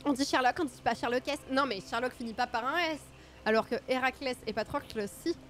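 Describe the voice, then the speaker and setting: A woman's voice: high voice, a little fast, fairly bright tone, slight background noise. A woman streaming a video game with casual, self-mocking commentary, her nose stuffy from a cold. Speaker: gaming streamer.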